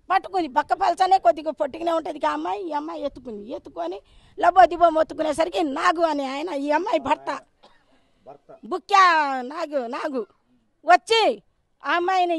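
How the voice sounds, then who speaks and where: High-pitched Telangana woman, agitated telling. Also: fairly bright tone, no room sound. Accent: Telangana Telugu. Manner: agitated, repetitive storytelling, acts out quoted speech. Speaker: villager recounting an incident. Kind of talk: emotional eyewitness account.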